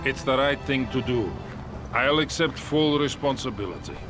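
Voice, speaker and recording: An actor playing a Soviet colonel who speaks gravely and steadily about his beaten men. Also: medium pitch, normal speed, natural voice. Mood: grim. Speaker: army colonel. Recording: game cutscene with loud music behind.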